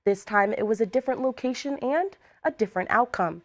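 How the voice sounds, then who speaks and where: A woman anchoring a student news broadcast, reading from script clearly and evenly. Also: a little high, expressive, a little fast.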